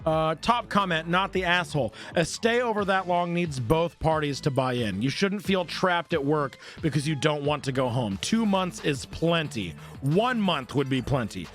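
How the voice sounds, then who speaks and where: A man's voice: on the high side, lively intonation, moderate pace, a bit bright, faint music behind. A man streaming, reading forum posts aloud and breaking off to react, swear and laugh.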